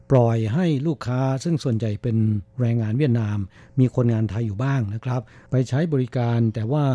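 A man's voice: medium pitch, dark tone, no room sound, muffled recording. A man hosting a radio language lesson, patiently explaining each word and repeating it. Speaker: radio host and Chinese language teacher.

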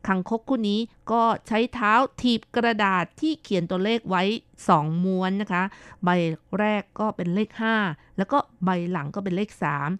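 Chatty woman radio co-host, smooth dry sound. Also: mid-range voice, fairly even intonation, moderate pace, few pauses, no room sound. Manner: chatty, playful, ends phrases with polite particles. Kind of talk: radio chat show, reading listener comments.

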